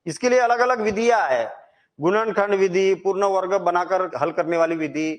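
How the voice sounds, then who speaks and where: A man with a high voice explains a maths exercise step by step. He talks to his students in a chatty, reassuring way, and he keeps asking questions and then answering them himself. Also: normal speed. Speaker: maths teacher. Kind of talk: Hindi maths lesson.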